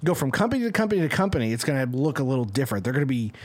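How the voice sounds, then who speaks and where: A man co-hosting a podcast in casual discussion, talking in an animated, argumentative way and often tagging points with questions. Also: mid-range voice, rapid-fire. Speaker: podcast co-host.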